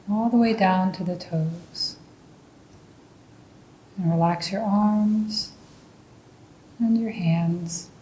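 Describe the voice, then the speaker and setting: Slow, mellow-voiced woman guiding meditation. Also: lowish voice, echoey room, a little hiss or hum, poor audio. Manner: slow, calm and gentle instruction. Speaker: meditation guide. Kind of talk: guided meditation.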